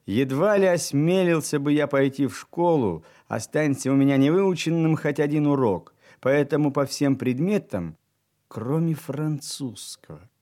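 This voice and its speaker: A man reading a first-person literary story aloud for an audiobook, reflective and unhurried, with soft drops in volume. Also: fairly high pitch. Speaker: audiobook narrator.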